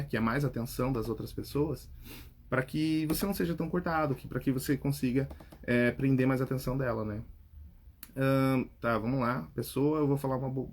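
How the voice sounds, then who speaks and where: A man's voice: medium pitch, breathy edge. A man with a Brazilian accent, a public speaking coach answering viewer comments in a casual podcast, talking straight to the viewer and checking in with "right?" after his points. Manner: talks straight to the viewer, tags lines with "tá?" and "né?".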